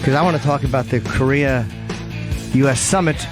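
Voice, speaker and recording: A man hosting a talk radio show, teasing his co-hosts with wry, quick jokes. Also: mid-range voice, over music. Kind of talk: casual talk radio banter.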